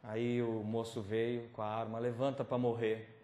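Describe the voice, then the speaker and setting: A male preacher telling a personal testimony at a youth camp, acting out scenes with sudden drops to whispers and loud pleading cries. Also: mid-range voice, little pitch movement, unhurried, highs cut off. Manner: dramatic storytelling, swinging from whispers to loud pleading. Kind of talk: testimony sermon. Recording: roomy hall recording with faint noise.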